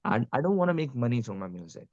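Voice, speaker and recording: A man's voice: mid-range voice, big pitch swings, quick pace, highs cut off. A young man with an Indian Punjabi accent, a guest musician talking earnestly and casually, with lots of "you know" and "like". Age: young adult. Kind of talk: casual interview talk.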